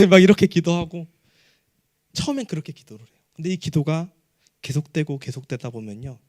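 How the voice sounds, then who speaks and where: A man's voice: on the high side, expressive, fairly quick, a little mellow. A man preaching a sermon as pastor, talking conversationally and asking the congregation questions. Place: church sanctuary.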